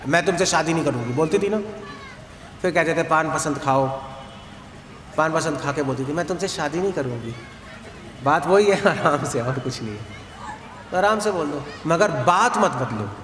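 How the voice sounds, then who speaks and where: A monk speaks steadily to a gathering, explaining things patiently with stray English words. His fairly high voice rings out in an echoey outdoor space with a long reverb tail and a faint hum of surroundings behind it. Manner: calm, explanatory, mixes English words into Hindi. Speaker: monk and spiritual teacher. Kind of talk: devotional talk to a gathering.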